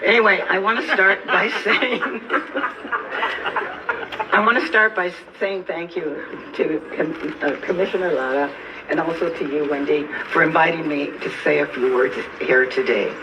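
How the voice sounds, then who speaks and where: Halting woman in her eighties. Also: sits low, lo-fi sound. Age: 80s. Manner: halting, self-deprecating, searches for words. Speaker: speaker at a press event. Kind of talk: unscripted remarks. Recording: distant mic with noticeable background noise.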